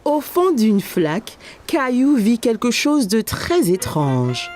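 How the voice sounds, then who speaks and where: Brief: female cartoon narrator, lively storybook delivery, faint music behind. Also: on the high side, slow. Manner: clear, storybook-like telling.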